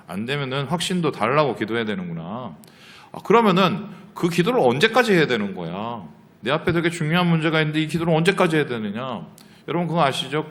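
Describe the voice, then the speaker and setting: Lively Korean pastor preaching in a hall. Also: male voice, medium pitch. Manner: lively, asks the congregation questions and acts out quotes. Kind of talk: sermon. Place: church sanctuary. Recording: hall reverb from the church. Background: congregation reading aloud together.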